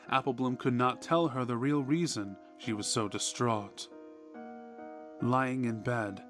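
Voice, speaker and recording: A man reading a scripted horror story in a measured, deliberate way, with dramatic pauses. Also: medium pitch. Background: background music.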